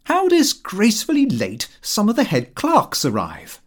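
Insolent office lad of seventeen, played by a male narrator: raised pitch, mocking, storybook comedy. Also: wildly swooping pitch, unhurried, heavily acted. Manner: mocking, impudent. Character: cheeky, insolent seventeen-year-old male office junior. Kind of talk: audiobook character dialogue.

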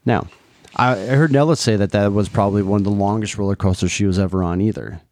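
A man's voice: lowish voice, quick pace, a little mellow. A middle-aged man with a Midwestern US accent, co-hosting a casual chat in a chatty, teasing, rambling way. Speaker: podcast co-host, parent.

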